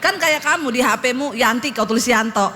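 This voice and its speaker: Lively high-voiced woman pastor preaching. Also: normal speed, a little hiss or hum. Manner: lively, jokey storytelling with acted quotes. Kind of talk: humorous sermon testimony. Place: church stage.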